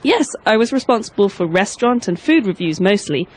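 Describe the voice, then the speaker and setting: A woman's voice: mid-range voice, sing-song, a little fast, breathy edge. A woman playing a candid job candidate. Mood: earnest. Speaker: interviewee in a scripted dialogue. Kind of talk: scripted dialogue.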